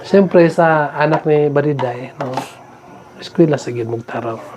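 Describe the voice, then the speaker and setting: A man's voice: on the high side, a little slow, a crowd in the background. A man hosting a vlog, telling a story in a chatty way and often asking "no?". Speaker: vlog host. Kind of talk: casual vlog talk to viewers. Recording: noisy outdoor ambience.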